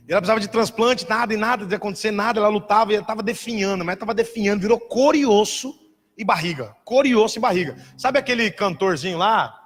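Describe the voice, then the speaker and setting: A man preaching a sermon as a pastor, telling a story in an animated, dramatic way and mimicking other voices. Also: high voice. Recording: reverberant hall.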